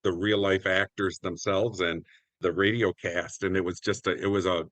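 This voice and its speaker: Man, American accent, middle-aged, lowish pitch, casual reminiscing, very little room sound. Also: level tone, moderate pace, a bit bright, no room sound. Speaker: community theater actor and podcast guest. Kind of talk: casual group interview, reminiscing.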